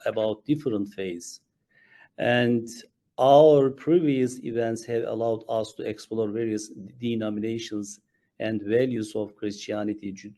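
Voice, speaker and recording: A man from Turkey, a Muslim chaplain, speaking haltingly on a panel over a video call, with many fillers and restarts. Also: lowish voice, mellow.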